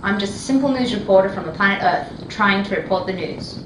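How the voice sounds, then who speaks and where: A woman's voice: medium pitch, lively intonation, brisk, lightly acted. Echoey field reporter woman, secretly alien, acted. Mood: earnest. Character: unflappable alien woman posing as a TV news reporter. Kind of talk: field news report parody. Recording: noisy, echoey field audio.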